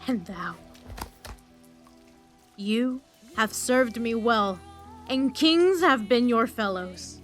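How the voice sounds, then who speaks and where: A woman's voice: fairly high pitch, animated, extremely slow, long pauses, a bit bright, faint music behind, exaggerated voice. A woman acting a weary, honour-bound military leader in a Shakespearean audio drama, with stately, declamatory delivery. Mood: resolute, generous.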